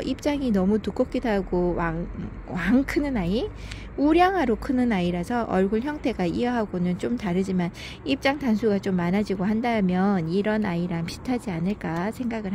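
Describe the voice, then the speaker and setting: A woman with a mid-range, dark voice films the garden on her home veranda, chatting fondly about each plant with little sighs as a succulent gardening vlogger. It's casual narration while filming, with a little hiss or hum in the audio.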